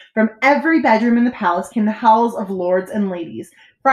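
Simply a plain read-aloud

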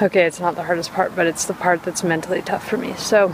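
A woman speaks with flat, monotone intonation. The sound is dry with no echo, over light background noise. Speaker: runner vlogger. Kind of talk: casual vlog chat. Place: open country. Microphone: phone near.

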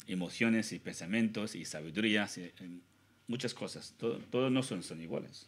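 This man talks at a fairly slow pace in a Tibetan accent. His pitch is fairly low, with ordinary variation. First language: Tibetan (speaking Spanish). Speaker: Buddhist teacher. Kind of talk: dharma teaching. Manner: halting, broken Spanish. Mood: calm, gentle. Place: hall. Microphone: podium.

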